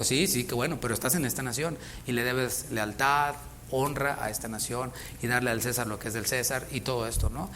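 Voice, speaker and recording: A man's voice: medium pitch, fairly bright tone, slight background noise. A man preaching a sermon as pastor, speaking with emphasis and putting rhetorical questions to the congregation. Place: church in Houston.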